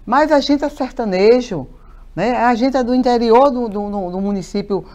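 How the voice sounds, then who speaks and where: A woman's voice: fairly high pitch, moderate pace. A woman, a mayor talking animatedly as a guest in a TV studio interview, with many fillers and repeated words. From Paraíba, Brazil. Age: 50s. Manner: animated, gestures a lot, many fillers and repetitions. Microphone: lapel mic.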